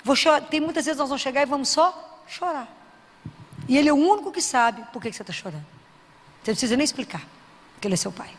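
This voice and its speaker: A woman preaching a sermon, who keeps asking her audience questions and acts out prayers in a softer voice. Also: high voice, animated, quick pace, pauses often, long reverb tail. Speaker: Christian speaker.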